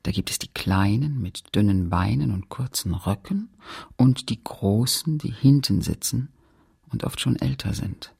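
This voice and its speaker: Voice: medium pitch, expressive, unhurried, creaky, a little mellow, breathy edge, exaggerated voice. An actor playing a woman who looks back on her Catholic girlhood in sober, literary radio-play narration, observant and introspective. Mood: reflective, sober.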